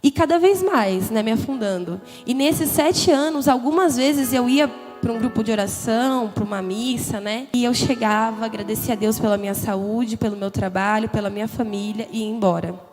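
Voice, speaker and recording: A young woman with a São lilt, her voice sitting a little high, tells her own story to a church youth gathering. She talks candidly and conversationally, with a lot of feeling, and her words ring out in a big hall with long reverb and faint music underneath. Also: moderate pace. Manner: candid, conversational, emotional, frequent "né?" tags. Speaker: testimony speaker. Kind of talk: personal testimony at a church youth congress. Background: soft background music.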